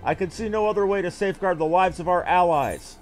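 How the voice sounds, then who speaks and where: A man's voice: high voice, brisk, faint music behind, close to an everyday voice. A man voicing a stern, worried knight officer from a fantasy game, speaking formally and emphatically. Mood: grave, urgent. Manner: formal, emphatic, archaic phrasing. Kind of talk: reading game dialogue in character.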